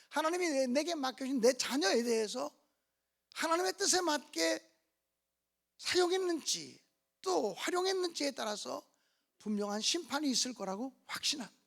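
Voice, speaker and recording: An extremely high-pitched man with very wide pitch swings and long, frequent pauses. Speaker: guest preacher at revival meeting. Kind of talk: sermon. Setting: church with congregation. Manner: fast.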